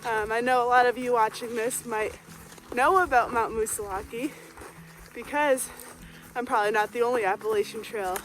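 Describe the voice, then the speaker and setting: High-voiced woman vlogging while trudging through snow. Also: rough recording. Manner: talking while trudging along a snowy winter trail. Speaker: hiking vlogger. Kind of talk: casual outdoor vlog narration to camera. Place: outdoors on a winter mountain road and trail.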